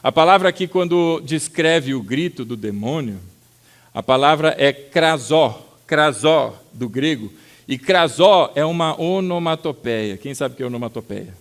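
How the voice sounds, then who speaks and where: Brazilian male pastor, sermon delivery, slightly high voice, animated storyteller who breaks into loud acted-out lines and keeps calling the congregation brother. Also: normal speed. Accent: Brazilian Portuguese. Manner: lively storytelling with sudden loud acted-out outbursts.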